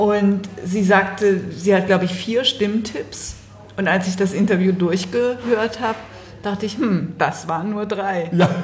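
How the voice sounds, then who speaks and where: Amid noticeable background noise and audible room echo, a woman with a medium pitch speaks at a fairly slow pace and with fairly even intonation. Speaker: podcast host. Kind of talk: interview conversation. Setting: in-person recording. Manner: trembling voice.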